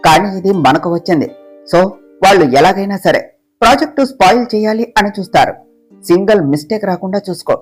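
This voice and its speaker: A woman voicing a stern, short-tempered young male boss who talks in curt, scolding lines. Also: high-pitched.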